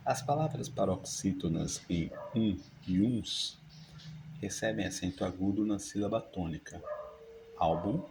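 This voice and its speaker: A man, teaching a grammar lesson by reading rules and dictating example words slowly and deliberately. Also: sits low, vocal fry, noisy background. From Brazil.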